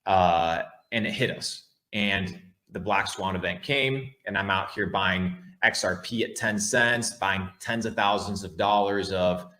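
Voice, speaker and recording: A man's voice: sits low, measured pace, hardly any pauses, pushed and bright. A man talking like a brash crypto bro in a casual motivational livestream, blunt and profane, hammering key words by repeating them. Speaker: livestream host, online entrepreneur.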